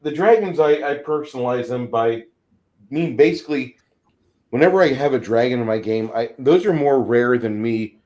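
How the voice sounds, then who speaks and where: In a casual discussion, a panelist who is also a game master talks at length with a mid-range, slightly mellow voice. He explains things in an opinionated, emphatic way.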